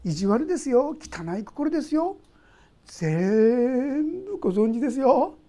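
Animated woman preaching a heartfelt sermon. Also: high-pitched, slow pace. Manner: emotional, conversational, addresses listeners directly.

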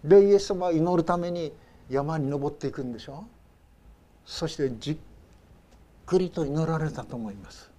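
Pastor guy telling a bible story in his sermon, mellow dark tone, bit high, acts out the shouts. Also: normal speed, long pauses. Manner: storytelling, acting out quoted cries.

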